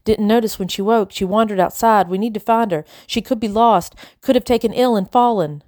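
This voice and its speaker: A woman's voice: mid-range voice, moderate pace, darkish tone, no echo, clean studio sound, close to an everyday voice. A woman voicing a fierce, desperate young girl in a storybook, urgent and defiant. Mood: anxious disbelief. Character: fierce, desperate enslaved young girl protecting her sister.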